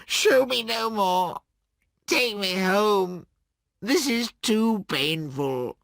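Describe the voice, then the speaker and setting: A man voicing an old miserly man who pleads in high, strained cries. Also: expressive, very slow, vocal fry, a bit bright, no echo, heavily acted. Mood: anguished.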